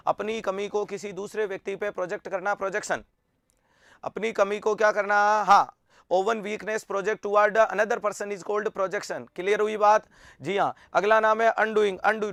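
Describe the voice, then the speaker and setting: High, gravelly man teaching. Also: no echo. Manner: energetic, quizzes students with repeated rhetorical questions. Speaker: nursing exam teacher. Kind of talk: online lecture.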